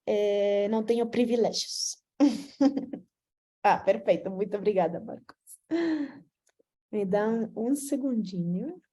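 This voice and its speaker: Speaking Portuguese on a video call, a guest speaker from Venezuela presents slides in a medium-pitched, mellow voice with a Venezuelan Spanish accent. She talks slowly with long pauses, frequently hesitating and restarting. She stays friendly and slips Spanish into her speech.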